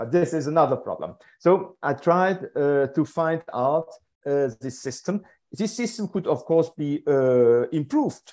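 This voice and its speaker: The speaker is a man with a fairly high pitch and a dark, mellow tone. He talks at a fairly slow pace. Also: lively intonation. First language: French. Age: 70s. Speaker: amateur researcher presenter. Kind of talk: panel discussion Q&A. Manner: halting.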